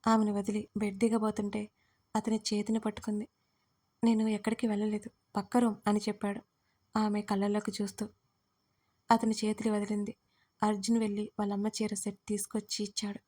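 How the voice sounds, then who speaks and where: A woman narrating an audio drama in a calm, measured way. Her voice is mellow and dark, and her pitch stays flat and even. She reads steadily from a script. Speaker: storyteller.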